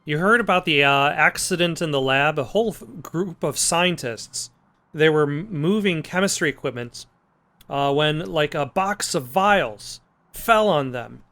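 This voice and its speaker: A man's voice: fairly high pitch, expressive, a little slow, sharp tone. A man hosting a let's play with casual gameplay commentary, musing aloud and joking dryly.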